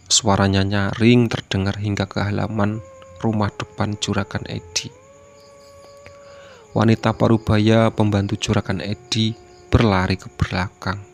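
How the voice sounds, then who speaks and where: Low, flat-voiced man reading a story. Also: a little hiss or hum. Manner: steady, even reading delivery. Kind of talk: scripted horror story narration.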